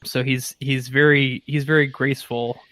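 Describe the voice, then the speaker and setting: A man playing a tabletop roleplaying game, casually improvising descriptions of his character and thinking aloud in a halting way. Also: mid-range voice, flat delivery, pushed and bright. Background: music.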